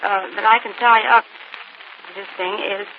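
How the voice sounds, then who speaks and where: A woman who is a guest panelist, guessing haltingly with many pauses, on an old radio broadcast with hiss. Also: medium pitch, fairly even intonation, narrow, tinny audio. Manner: hesitant, halting. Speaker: guest panelist, magazine editor. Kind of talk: unscripted guessing on a radio quiz.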